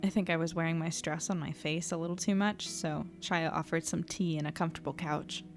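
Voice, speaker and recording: A woman's voice: sits low, fairly even intonation, brisk, faint music behind, natural voice. A woman playing an earnest, anxious female reporter in an audio drama, conversational, tentative and a little self-deprecating. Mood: wry narrating. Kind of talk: naturalistic audio drama acting and narration.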